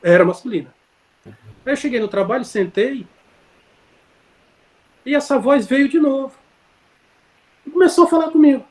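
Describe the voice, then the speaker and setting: A man's voice: very high voice, normal speed, long pauses, darkish tone. A man telling a personal story in casual conversation, rambling with many fillers and self-corrections, heard over a video call. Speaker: interview guest.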